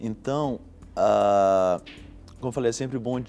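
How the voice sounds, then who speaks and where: A man speaks at a moderate pace with a medium pitch and a dark, mellow tone. His pitch varies in an ordinary way over light background noise. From Brazil. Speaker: ophthalmologist; guest. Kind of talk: TV interview, explanatory. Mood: calm, explanatory. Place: studio.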